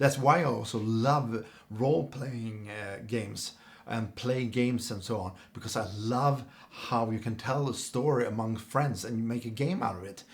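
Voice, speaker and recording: A man speaks at a moderate pace and a medium pitch, with a slight Swedish accent. His loudness swings widely. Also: ordinary pitch variation. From Sweden. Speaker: tabletop game master and video creator. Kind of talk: casual personal vlog. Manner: halting, with pauses and fillers.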